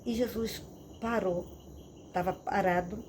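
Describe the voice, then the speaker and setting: A woman's voice: mid-range voice, takes it slowly, slight background noise. Casting: woman pastor, mid-range voice, vivid repetitive storytelling, insects audible behind. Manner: animated storytelling with dramatic repetitions. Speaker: missionary and pastor. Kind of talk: testimony preaching. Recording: crickets and insects chirping behind.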